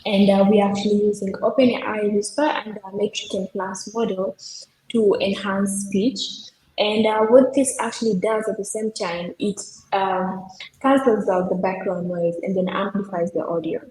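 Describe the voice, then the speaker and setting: A young woman from Kenya, a software developer, explaining her team's project in an earnest way with many fillers. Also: mid-range voice, steady tone, normal speed. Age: young adult. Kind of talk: technical project demo. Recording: echoey room with faint background noise.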